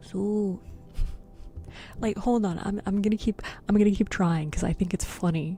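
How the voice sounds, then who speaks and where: Over music in the background, a woman speaks at a moderate pace in a calm, soothing tone, medium pitch and fairly even intonation, with long, frequent pauses. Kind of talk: playful, amused. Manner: calm and soothing.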